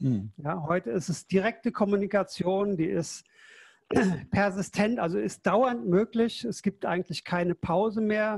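A man with a high pitch, ordinary pitch variation and a fairly slow pace, in a dry sound with no echo and a quiet background. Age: 60s. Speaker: sociologist, church digital affairs advisor; speaker. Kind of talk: webinar conversation. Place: office. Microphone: headset.

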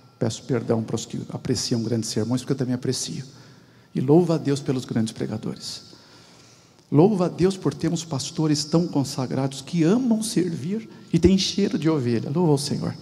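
A man with a fairly high pitch speaks at a moderate pace, his dark, mellow tone somewhat breathy and his intonation lively. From Brazil, São Paulo city. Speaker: lay preacher, finance professional; lay preacher. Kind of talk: sermon. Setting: church, livestreamed. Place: church. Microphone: handheld.

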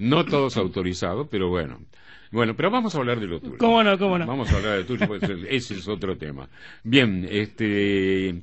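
Here a man speaks at a moderate pace with a fairly low pitch. His pitch swings very widely. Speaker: radio host and announcer. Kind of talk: radio interview. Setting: radio studio.

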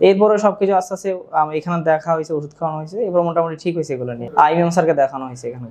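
Here a man with an unremarkable speaking voice uses a fairly high pitch with ordinary variation and big swings in loudness. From Bangladesh, Lakshmipur district. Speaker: patient's son. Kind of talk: testimony.

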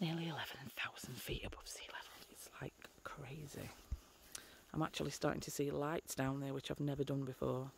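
Moderately paced whispering. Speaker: hiker vlogger. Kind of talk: casual vlog chat. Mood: calm, awed. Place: open country. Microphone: phone near.

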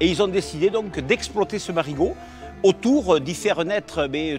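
With clear music playing in the background, a man speaks at a moderate pace in a southwestern French accent. His pitch is fairly high, with ordinary variation. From southwest France. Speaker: event announcer. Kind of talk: storytelling of local legend. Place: street. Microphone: lapel.

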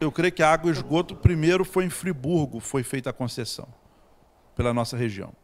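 A man with a fairly high pitch and ordinary pitch variation speaks at a fairly quick pace. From Brazil, Teresópolis (Rio de Janeiro state); Rio de Janeiro state, Brazil. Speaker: city councillor; council guest. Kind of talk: TV interview. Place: studio. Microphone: handheld.

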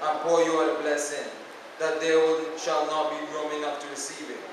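A man with a fairly high pitch speaks amid noticeable background noise and strong room echo. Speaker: evangelist preacher. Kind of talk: Sabbath youth sermon in church, scripture-reading exhortation. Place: church. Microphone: podium.

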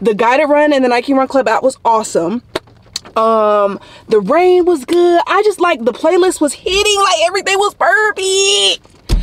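An American-accented woman talks at a moderate pace and a high pitch with very wide pitch swings. Her loudness stays very even throughout. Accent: Southern US, thick after work. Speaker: nursing student and vlogger. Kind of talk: casual vlog monologue. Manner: chatty, casual.

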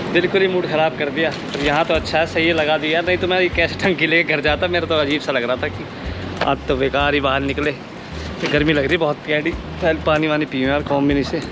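A man at a moderate pace with hardly any pauses, dry sound with no echo, and music in the background. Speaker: vlogger. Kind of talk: casual vlog chat. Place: street. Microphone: phone near.

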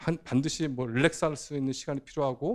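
Against a quiet background, a man with a fairly high pitch speaks at a fairly quick pace. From Gangwon Province, Korea (Yangyang); Gangwon Province, Korea. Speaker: engineering professor. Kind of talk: lecture. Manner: frequent fillers, hesitant. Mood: warm, reminiscing. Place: hall. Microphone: handheld.

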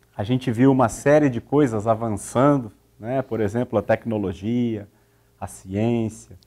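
A man speaks at a medium pitch with a dark, mellow tone and ordinary pitch variation. His pace is fairly slow, against a quiet background. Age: 30s. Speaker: lay preacher. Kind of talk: sermon. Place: studio. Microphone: lapel.

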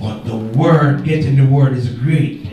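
Audible room echo and light background noise surround a man as he speaks. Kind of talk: church testimony. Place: church. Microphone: pa.

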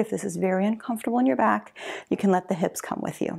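The speech comes at a very fast pace with vocal fry. The tone is dark and mellow against a quiet background. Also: woman. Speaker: yoga instructor. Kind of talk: guided yoga class with calm step-by-step cues. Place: home room.

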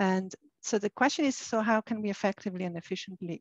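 Over a quiet background, a woman with a Swiss accent speaks at a moderate pace with ordinary pitch variation in a dry sound with no echo. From Switzerland. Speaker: university cartography lecturer. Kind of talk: panel presentation. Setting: video call. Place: home room. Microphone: video call.

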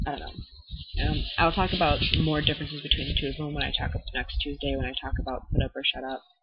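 Music plays in the background as a woman talks. She speaks at a very fast pace with an American accent. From Minnesota. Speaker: video blogger. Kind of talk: casual vlog chat. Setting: webcam at home. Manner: casual, rambling. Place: home room. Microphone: webcam.

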